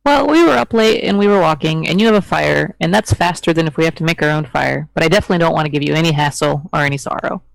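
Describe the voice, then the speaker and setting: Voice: medium pitch, fast talker, vocal fry, few pauses, no room sound. A player in a tabletop role-play, chatty and playful.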